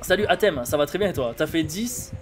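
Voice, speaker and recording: A young man with a French accent commenting live on a game, excitable and laughing as he chats with viewers. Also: on the high side, brisk, slight background noise. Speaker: streamer. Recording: music playing behind.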